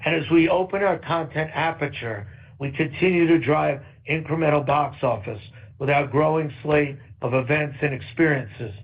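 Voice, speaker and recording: Brief: male exec, fairly high voice, scripted upbeat delivery, dull conference call sound. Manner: steady, upbeat, read from a script. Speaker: company executive. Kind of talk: prepared earnings call remarks. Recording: muffled conference call audio.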